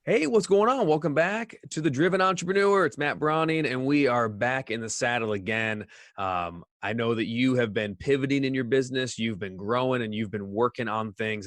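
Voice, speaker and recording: A man hosting a business podcast, energetic and friendly, talking with plenty of fillers. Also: medium pitch, dry recording, clean studio sound. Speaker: podcast host. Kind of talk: casual interview hosting.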